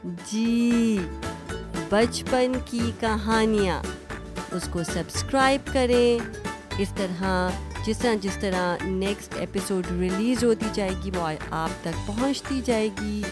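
A woman's voice: medium pitch, over music. A woman hosting a children's story podcast, telling stories and quizzing young listeners in a friendly, teacherly way that mixes Urdu and English.

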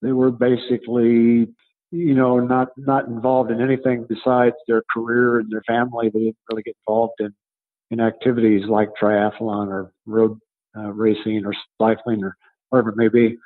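Heard over phone-quality sound, a coach and author in his seventies answers an interviewer conversationally. He has a mid-range voice with a flat delivery and tends to halt and repeat words while thinking.

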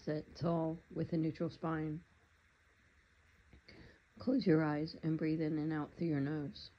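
Meditation guide, steady flat delivery, soft calm instructions, slightly muffled lo-fi recording. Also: mid-range voice. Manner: calm, unhurried, gently instructive.

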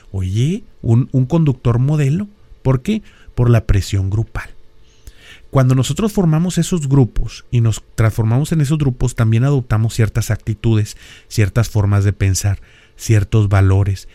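A man's voice: fairly low pitch, dark tone, no room sound. A middle-aged man from Mexico with a northern Mexican accent hosts a podcast, explaining ideas in a lecturing way and often throwing in rhetorical questions. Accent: Mexican (northern, Monterrey). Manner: lecturing, peppered with rhetorical questions and tag "¿verdad?". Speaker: podcast host.

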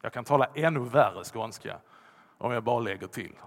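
A man with a Scanian Swedish accent preaching a Pentecost sermon, swinging from loud emphatic outbursts to hushed near-whispers. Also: medium pitch. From Skåne, Sweden. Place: church. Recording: long reverb of a church.

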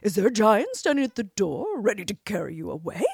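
A stern old king, as a woman reading a fairy tale puts him on gives firm commands. His voice stays near her own but louder and heavier. The recording is dry and close, slightly breathy. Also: medium pitch, big pitch swings, a little fast, no echo, heavily acted.

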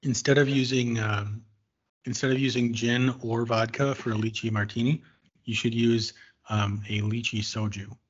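A man's voice: mid-range voice, flat delivery, moderate pace, husky, dull audio. Thoughtful man hosting a whiskey tasting. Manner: thoughtful, searching for words with many fillers. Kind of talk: casual tasting chat.

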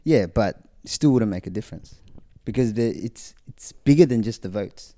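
A man's voice: on the low side, animated, normal speed, warm tone. A young man in a casual group chat, firm and repeating his point.

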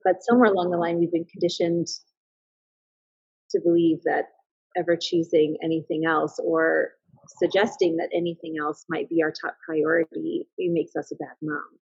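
A woman in her thirties, a mother who runs a business, talks as a podcast guest in casual, reflective interview style, thoughtful and earnest, often restarting sentences. Her voice is low, level, gravelly, darkish and a bit breathy at normal speed. The dry recording sounds slightly dull and lo-fi.

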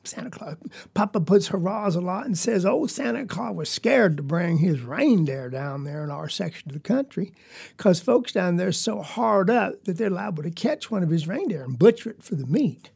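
A man telling the tale as an earnest poor country boy with a rural Southern US accent. He rambles along in a folksy drawl with a gravelly, husky grain to the voice. The tone stays sincere and simple. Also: high voice, lively intonation, moderate pace, darkish tone, full character voice. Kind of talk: storytelling monologue.

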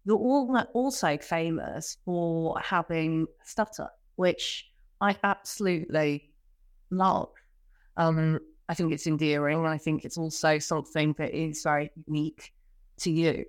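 A woman's voice: deep voice, a little slow, clear, resonant tone, no room sound. Woman podcast host, dry close sound. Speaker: podcast host interviewing a guest. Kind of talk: conversational interview.

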